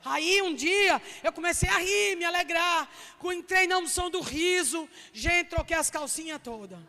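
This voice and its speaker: A woman preacher with a Northeastern Brazilian accent, giving a jokey, chatty sermon that bursts into shouts. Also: extremely high pitch, normal speed, in a large hall. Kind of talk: lively humorous sermon. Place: church hall.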